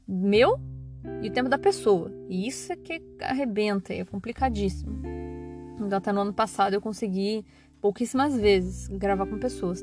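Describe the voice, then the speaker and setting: A Brazilian woman talking casually as a podcast host and teacher, rambling with many fillers and restarts. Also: medium pitch. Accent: Brazilian Portuguese. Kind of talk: casual solo podcast chat.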